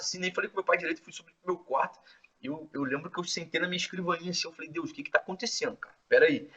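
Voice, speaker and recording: A man casually telling his testimony in an excitable, slangy way, full of filler words. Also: fairly high pitch, slightly rough. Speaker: host sharing his testimony. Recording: distant, dull lo-fi mic.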